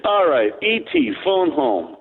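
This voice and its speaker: A co-host man on a call-in radio show tells rambling, joking stories. His voice swoops up and down and sits a bit high. The sound is tinny and narrow, like a phone line. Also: wildly swooping pitch, slow, vocal fry. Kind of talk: casual radio talk.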